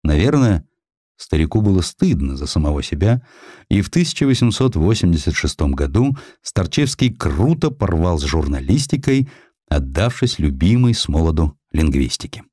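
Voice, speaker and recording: A man narrates a historical sketch in a very low voice. His delivery is theatrical and highly animated, swinging widely in pitch. The sound is dry and close, with hardly any room. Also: moderate pace, slightly rough, no room sound. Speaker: audiobook narrator. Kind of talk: expressive dramatized reading of historical sketch.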